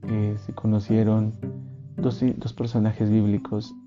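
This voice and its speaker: A man's voice: on the low side, completely flat delivery, a little slow. A man, telling a personal testimony in an earnest, rambling, reflective way. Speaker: storyteller. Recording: dull recording with faint guitar music.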